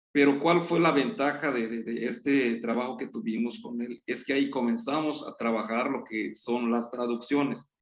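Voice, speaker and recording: The delivery runs at a moderate pace with fairly even intonation and hardly any pauses. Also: man, medium pitch for a man. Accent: Yucatán. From Yucatán, Mexico (rural Maya community near Izamal). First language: Yucatec Maya (speaking Spanish). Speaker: Maya interpreter and cultural promoter. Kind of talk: panel talk on personal experience. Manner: halting, many fillers.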